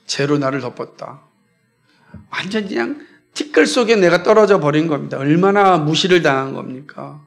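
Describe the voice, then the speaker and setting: A man from South Korea preaching from the pulpit in a high voice. His delivery is emphatic, and he keeps throwing questions out to the congregation and answering them himself. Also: animated, normal speed, gravelly. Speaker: pastor. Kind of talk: sermon.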